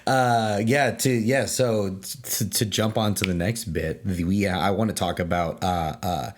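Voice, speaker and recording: A man hosting a podcast roundtable, enthusiastic and halting, restarting his sentences often. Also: low-pitched, steady tone, slight background noise. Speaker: podcast host, lore keeper. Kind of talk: casual roundtable chat.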